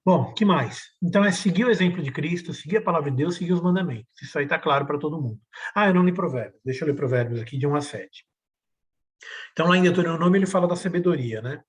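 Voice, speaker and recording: Man, Bible teacher, slightly higher voice, casual talk with repeated "né?", repeats phrases for emphasis. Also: expressive, fast. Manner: conversational, ends points with "né?". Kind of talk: teaching a Bible lesson, reading scripture aloud.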